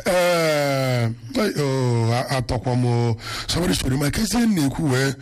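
A man's voice: medium pitch, lively intonation, normal speed, clean tone. A man with a Nigerian Igbo accent hosting radio sports talk, rambling casually with many fillers and Igbo phrases.

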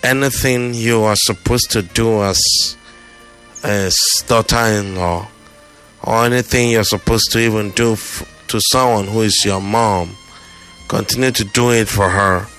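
A Nigerian man with a fairly low voice speaks as a phone-in host. He counsels in a firm, instructive, repetitive way, with faint music playing behind him. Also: fairly even intonation, a little slow, fairly bright tone. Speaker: phone-in show host giving advice. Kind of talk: conversational advice to a caller.

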